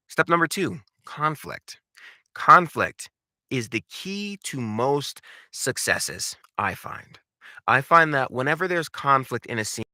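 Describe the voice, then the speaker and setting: A man's voice: mid-range voice, bright, forceful tone, no room sound, studio quality. A man giving an instructional talk as a voice acting coach, direct and emphatic, repeating phrases to drive points home. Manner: emphatic, acts out short example lines.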